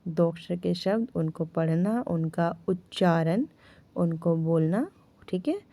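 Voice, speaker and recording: A woman teaching beginners to read Hindi, sounding out each syllable slowly and checking with the learners as she goes. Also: lowish voice, expressive, warm tone. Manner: drawn-out syllable-by-syllable spelling, frequent "ठीक है" checks; teasing corrections of wrong pronunciations. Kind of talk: slow, patient beginner lesson, sounding out letters.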